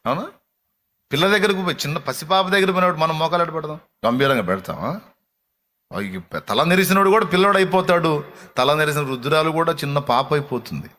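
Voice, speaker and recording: A man's voice: lively intonation, quick pace. Pastor man preaching with rhetorical questions. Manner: conversational, full of rhetorical questions; swings between soft, low asides and raised, pleading exclamations. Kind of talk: sermon.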